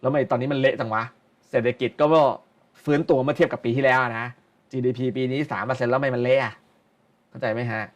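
A man's voice: medium pitch, fairly even intonation, fast talker, dull audio. A middle-aged man giving casual live stock market commentary, blunt and slangy, repeating phrases for emphasis.

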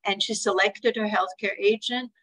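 A woman's voice: medium pitch, steady tone, moderate pace, fairly bright tone, poor audio. An older woman with a Swiss accent, speaking earnestly on a video call and telling family stories about care planning. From Switzerland. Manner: earnest, storytelling, acts out quoted family voices. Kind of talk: webinar talk with anecdotes. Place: home room, indoors.

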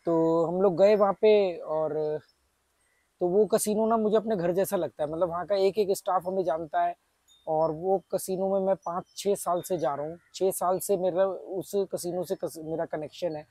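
A man's voice: high voice, steady tone, normal speed, mellow, no room sound. Chatty man with a sore throat. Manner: chatty, explains step by step with many fillers. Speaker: travel vlogger. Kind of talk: casual vlog talk to camera. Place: outdoor garden patio. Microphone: small clip-on mic on shirt.

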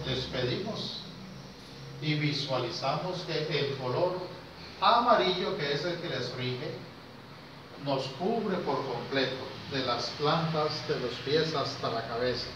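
Older man, slow lecturing delivery, pauses between short phrases, heavy room echo, very noisy recording. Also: fairly high pitch, distant mic. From Costa Rica. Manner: unhurried, pausing between short phrases, questioning listeners. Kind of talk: informal spiritual lecture to a small class. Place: small indoor classroom with whiteboard. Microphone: handheld camera a few metres away. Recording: very echoey, noisy, muffled room recording from afar.

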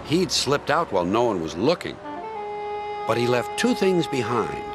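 A man narrating a storybook tale in an animated, expressive reading. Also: medium pitch, moderate pace. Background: music.

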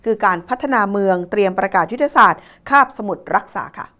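A woman presents a scripted news report as a news presenter. Her voice sits at an average pitch for a woman. The delivery is polite and formal. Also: fast, sharp tone.

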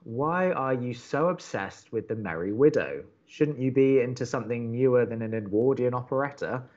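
An actor playing a young, wordy and opinionated college radio co-host in an audio drama, talking in halting conversational bursts. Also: male voice, medium pitch, lively intonation, a little mellow, highs cut off, natural voice. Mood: reluctant, exasperated. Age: young adult. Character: earnest, exasperated young male college radio co-host, a theatre buff.

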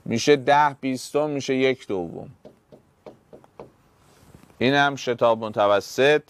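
Speaking in a smooth, mid-range voice, this male physics teacher addresses his students head-on while solving exam questions step by step.

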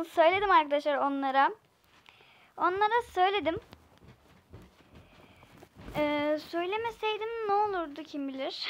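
A woman's voice: very high voice, a bit bright. A young woman with a Black Sea Turkish accent giving playful, chatty commentary to viewers while playing a game. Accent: Turkish, Black Sea (Trabzon). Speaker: gaming channel host. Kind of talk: casual gameplay commentary.

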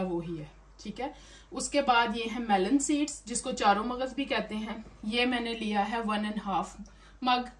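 A woman hosting a cooking video in her home kitchen, chatting through each step as she cooks. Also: medium pitch. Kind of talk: casual cooking demonstration. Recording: distant mic with noisy kitchen background.

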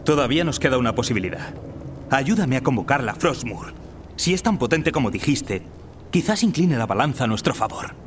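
An actor playing a proud, vengeful young warrior prince in a video game, intense and defiant. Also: male voice, medium pitch, very animated, fairly quick, lightly acted. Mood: impatient, determined. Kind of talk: video game character acting. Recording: noisy game cutscene audio.

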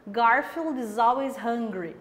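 A woman teacher from Brazil leads an online lesson in a slightly raised voice. She explains patiently and slows right down whenever she gives an example phrase. The room around her has a lingering reverb. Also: fairly high pitch. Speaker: language teacher.

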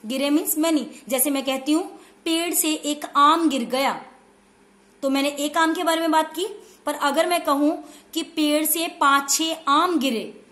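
A woman teacher with a high voice leads a class for small children. She goes slowly, spells words letter by letter, and answers her own questions. Her voice rings around an echoey room at home. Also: fairly bright tone. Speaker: school teacher. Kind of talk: online class lesson.

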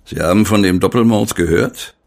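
An actor playing a thoughtful, tactful police inspector in a horror audio drama, speaking deliberately and tentatively. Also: male voice, fairly low pitch, vocal fry, a little mellow.

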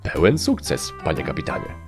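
A man's voice: a bass voice, huge pitch swings, moderate pace, music in the background, exaggerated voice. A man voicing a small, cheeky male gnome soldier who reports eagerly to his captain. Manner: bright, eager military reporting.

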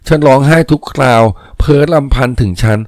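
A man voicing a sorrowful young woman's ghost from long ago in a story, lamenting slowly and plaintively that she has been wronged. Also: mid-range voice, mellow, no room sound, studio quality, close to an everyday voice. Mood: grieving, plaintive. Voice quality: faint, trembling voice.

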